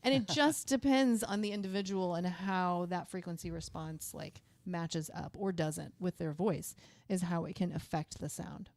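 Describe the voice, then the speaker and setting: A middle-aged woman with a lower, direct voice, explaining casually as a guest in a small studio on a boom-arm mic. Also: normal speed, darkish tone, no echo. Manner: explains plainly, with frequent fillers like "like". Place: small studio room full of gear. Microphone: studio mic on boom arm, headphones on.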